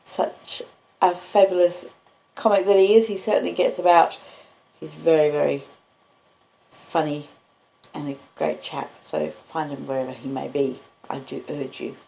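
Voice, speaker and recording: This Australian-accented woman, a podcaster and audiobook reader, has a deep, creaky, dark-toned voice with fairly even intonation. She alternates relaxed live chatting with literary storybook reading in an unhurried, cosy storytelling way. Basic home equipment, laptop and phone microphones, gives roomy echo and basic sound.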